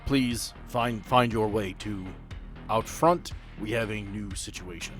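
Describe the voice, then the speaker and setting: A man's voice: fairly low pitch, unhurried, close to an everyday voice. Man playing a grave, stern agent over music. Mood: grave, urgent. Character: stern, angry male agent commanding a crisis.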